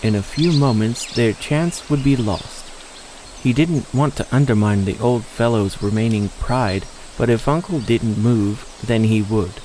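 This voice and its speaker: A man's voice: medium pitch, unhurried, darkish tone, a little hiss or hum, low-quality recording. A man delivering scripted, dramatic narration of a story as the narrator.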